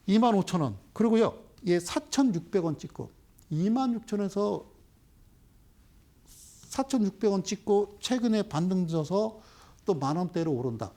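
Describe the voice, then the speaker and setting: A man's voice: high voice, expressive, normal speed, pauses often, dark tone. A man giving investment broadcast commentary, scolding viewers with rhetorical questions. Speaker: stock market commentator.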